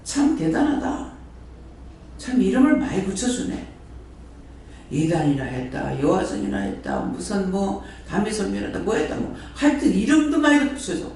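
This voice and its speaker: A man's voice: high-pitched, sing-song, normal speed, creaky, darkish tone. A man preaching a sermon as prayer house director, firing repeated rhetorical questions at the congregation. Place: church hall. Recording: very echoey hall, voice from far off, faint noise.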